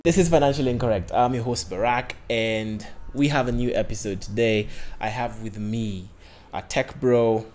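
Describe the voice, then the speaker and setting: A man hosting a casual podcast interview in an office, chatty and quick to laugh along with his guest. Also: medium pitch, over music. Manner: chatty, laughs along, frequent yeah and mm-hmm. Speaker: podcast host.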